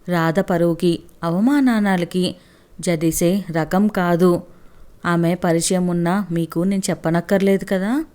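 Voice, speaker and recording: A woman voicing a righteous young man who argues earnestly and forcefully on behalf of a wronged woman in a storybook reading. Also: lowish voice, natural voice.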